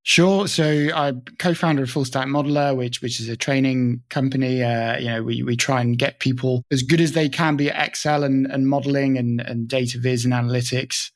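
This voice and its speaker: A man's voice: mid-range voice, steady tone, normal speed, few pauses, dry recording, clean studio sound. A British man talking as a panel guest, enthusiastic and often repeating words as he starts sentences. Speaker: guest, training company co-founder. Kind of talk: casual panel chat.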